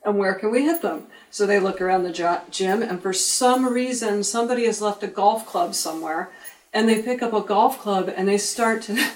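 A woman, a youth fitness coach, casually telling stories on a podcast and chuckling as she goes. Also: medium pitch. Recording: roomy and distant from the mic.

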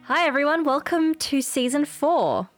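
A woman's voice: high-pitched, expressive, a little slow, faint music behind. A young adult woman with an Australian accent, co-hosting an astronomy podcast in an enthusiastic, bubbly chat. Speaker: podcast co-host, research fellow. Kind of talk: casual chat.

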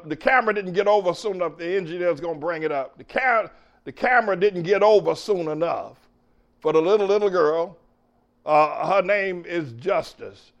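A man's voice: fairly high pitch, a bit bright. A man hosting his own show as a pastor, preaching emphatically, repeating phrases and calling cues to his engineer. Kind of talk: preaching talk show monologue.

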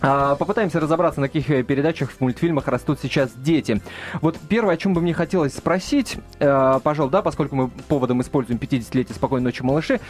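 A man's voice: medium pitch, fast, faint music behind. A man hosting a live radio talk show in a studio, chatty and joking, with many fillers and restarts. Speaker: radio host.

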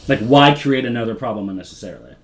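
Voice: mid-range voice, fast. A podcast co-host in casual chat recapping a TV episode, opinionated and blunt, arguing points.

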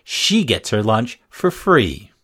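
A man's voice: fairly low pitch, big pitch swings, slow, sharp tone, breathy edge, exaggerated voice. A man voicing a bored, scornful middle-aged lunch lady who snaps and grumbles, in a storybook reading. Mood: snappish. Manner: snappish, grumbling.

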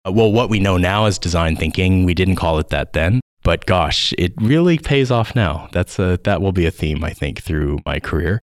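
Deep-voiced Southern Californian man, chatty. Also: lively intonation, normal speed, few pauses, no echo, clean studio sound. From United States. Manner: enthusiastic, rambling with fillers and laughs. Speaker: guest educator. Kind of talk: podcast interview.

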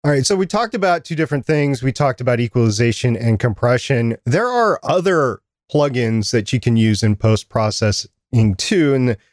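A man with a mid-pitched voice co-hosts a podcast, talking through audio gear in a relaxed, explanatory way. He likes to pose rhetorical questions and then answer them. The sound is dry and close, with no room echo. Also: normal speed, hardly any pauses. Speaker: podcast co-host. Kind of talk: casual instructional chat.

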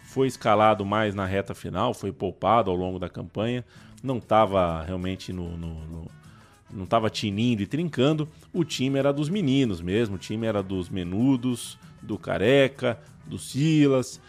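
A man's voice: lowish voice, normal speed. A Brazilian man hosting a football history show, telling stories in a conversational way. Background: music.

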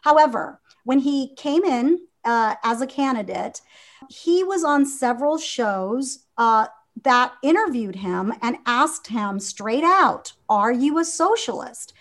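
Her voice is high and animated, and her pace slow: a woman in her fifties from Venezuela, earnestly answering as an interview guest with frequent fillers and restarts.

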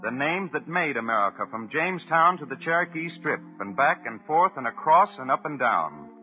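An actor playing a resolute young American soldier in a 1940s radio drama, speaking in a punchy, rhetorical, defiant manner. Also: male voice, on the high side, very animated, moderate pace, soft background music. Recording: tinny, narrow-band vintage 1940s radio broadcast.

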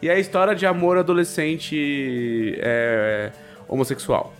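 A man's voice: a little high, a little slow, soft background music. A man with a Brazilian accent co-hosting a podcast in casual chat, telling stories animatedly and slipping into slang. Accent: Brazilian Portuguese. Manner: animated storytelling, quoting others in raised voice; slangy, frequent fillers. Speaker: podcast co-host.

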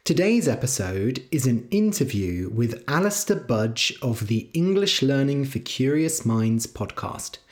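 A podcast host speaking slowly and clearly for English learners, spelling out web addresses letter by letter. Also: mid-range voice. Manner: careful and deliberate.

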